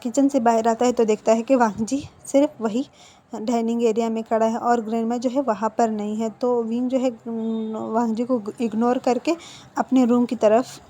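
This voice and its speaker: Woman narrating fanfic casually, fixes her own slips, warm soft voice. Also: on the high side, little pitch movement, moderate pace. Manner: conversational, with fillers and self-corrections. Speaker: storyteller. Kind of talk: casual fan fiction retelling.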